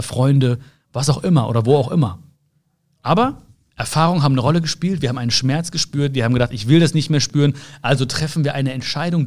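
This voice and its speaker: A young man in an earnest, casual motivational talk, addressing the listener directly with rhetorical questions and frequent fillers. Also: medium pitch. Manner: earnest, searching, many fillers and restarts. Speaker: personal development speaker.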